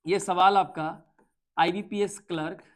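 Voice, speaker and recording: Teaching an exam-prep grammar class, an Indian-accented man speaks high-pitched with fairly even intonation. He goes over points more than once, asks his students questions, and slowly reads English sentences one word at a time.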